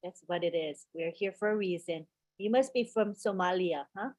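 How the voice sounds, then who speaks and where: A woman's voice: on the low side, moderate pace, darkish tone, dry recording. A woman hosting a group call, upbeat and welcoming as she introduces speakers. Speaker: host.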